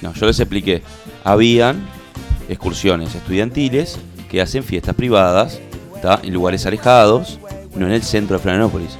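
A man's voice: on the low side, moderate pace, faint music behind. A man, a regular on a radio show, chatting casually and defending himself. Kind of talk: casual studio banter.

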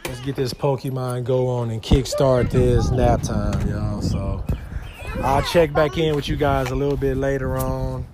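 A man's voice: medium pitch, steady tone, a little slow. A man in his thirties, a father and podcast host, venting in a rambling, earnest way and talking straight to his listeners. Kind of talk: casual venting monologue. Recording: noisy background.

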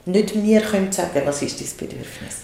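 Mellow Swiss German woman, echoey room. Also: medium pitch, fairly quick. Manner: calm, explanatory, acts out soothing words to a baby. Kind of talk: casual conversation.

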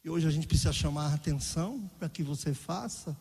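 A man's voice: a little high, fast, gravelly, darkish tone, husky, in a large hall. A male pastor preaching a sermon with vehement, emphatic delivery.

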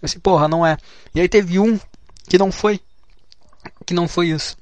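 A man's voice: high voice, fairly even intonation, a little fast, darkish tone, no room sound, lo-fi sound. A young adult man with a Brazilian Portuguese accent, talking casually and bluntly in a monologue, swearing often and reading passages aloud before commenting on them. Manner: blunt, swears often, says "cara" a lot; reads aloud from a book then comments. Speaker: vlogger.

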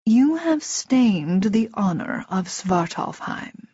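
A woman voicing a small male dark-elf warrior in an audiobook, calm, formal, measured and pitiless. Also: on the high side, dry recording, muffled recording, pitched above the performer's own voice. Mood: cold contempt. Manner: formal, measured, quiet, emotionless.

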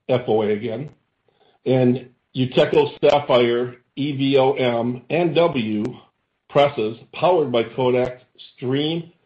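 Male executive, mid-pitched voice, scripted earnings call, formal and measured, dull roomy conference audio. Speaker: company chief executive.

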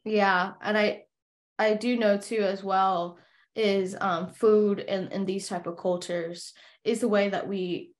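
A young woman hosts a casual podcast conversation. She talks in a loose, chatty way, restarting her sentences and filling pauses. Her voice sits in an ordinary middle range. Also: medium pitch, steady tone. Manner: chatty, many fillers and restarts. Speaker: podcast host. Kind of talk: casual interview chat.

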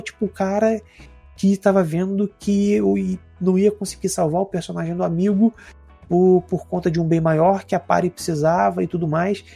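A man with a Brazilian accent, chatting casually on a podcast in a relaxed, rambling, slangy way. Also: sits high, creaky, slightly rough. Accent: Brazilian Portuguese. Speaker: podcast co-host. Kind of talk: casual chat about tabletop games.

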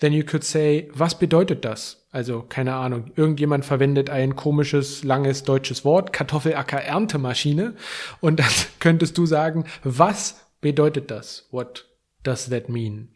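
A man teaching phrases on a podcast, his voice sitting a little high. He speaks slowly and deliberately, repeating each phrase so the listener can follow. He switches between the lesson phrases and English explanations. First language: German. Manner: slow, clear repetition of phrases, explaining in English. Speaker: language podcast host. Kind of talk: slow bilingual language lesson.

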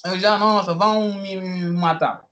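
A young man, telling a story casually in slangy, halting speech with many restarts. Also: high-pitched, fairly even intonation, a bit bright. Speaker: interviewee.

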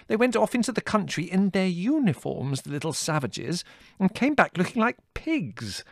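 A man's voice: high-pitched, big pitch swings, moderate pace, creaky, no room sound, clean studio sound, pitched above the performer's own voice, exaggerated voice. A man voicing a fussy, agitated old colonel who blusters in clipped phrases.

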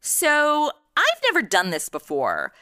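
An American actress playing a brash modern twenty-something amateur detective in a comedy audio drama, sassy, slangy and theatrical. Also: female voice, sits high, wildly swooping pitch, slow pace, sharp tone, no echo, clean studio sound, full character voice. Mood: smug.

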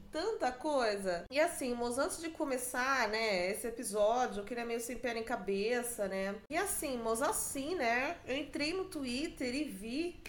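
Recorded in a room at home with a roomy sound and a little background noise, a Brazilian woman with a high-pitched voice hosts a podcast by herself. She gossips in a casual, mocking way and laughs often.

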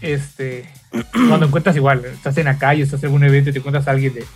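Husky man with a slight Tabasco accent. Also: mid-range voice, fairly even intonation, fast, soft background music. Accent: slight Tabasco Mexican Spanish. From southern Mexico. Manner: joking, uses slang. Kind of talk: casual chat.

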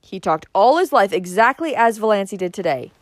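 Lady doing grumpy blustery old uncle in a storybook, growly and scornful, pitch jumping all over, dry sound. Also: big pitch swings, normal speed, no room sound, close to an everyday voice. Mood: blustering, domineering. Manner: snorting, growling, emphatic. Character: angry, blustering, pudgy older uncle, scornful.

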